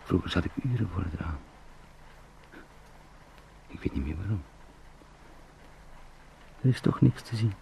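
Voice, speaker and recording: An actor playing a lonely, brooding salesman turned beetle, musing in short halting sentences in a radio play. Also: low voice, expressive, creaky, dark tone, slight background noise, full character voice, low-quality recording. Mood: mournful. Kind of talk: introspective radio play monologue.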